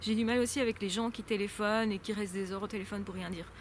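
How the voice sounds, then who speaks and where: Somewhat breathy and medium in pitch, a woman speaks with flat, monotone intonation. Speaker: vlogger. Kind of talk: casual vlog monologue.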